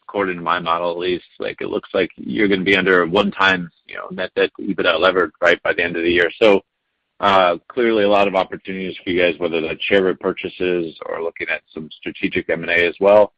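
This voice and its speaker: Deep, husky man on an echoey call. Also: flat delivery, quick pace, fairly bright tone. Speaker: financial analyst on an earnings call. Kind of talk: asking questions on a conference call. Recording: muffled, echoey phone conference line.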